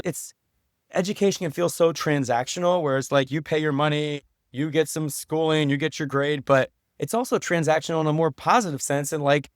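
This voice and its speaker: Casual, earnest man, slightly high voice. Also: no room sound, clean studio sound. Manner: earnest, informal, peppered with "you know" and "like". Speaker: podcast guest, professor and documentary maker. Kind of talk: casual conversational interview answers.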